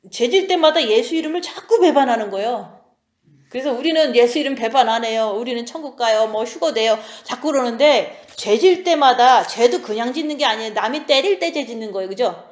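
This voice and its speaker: A woman in her forties preaches in a loose, conversational way, often checking in with her listeners. Her voice sits a bit high, and it carries with a roomy echo around it. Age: 40s. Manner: conversational, keeps asking the audience "right?". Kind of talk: sermon.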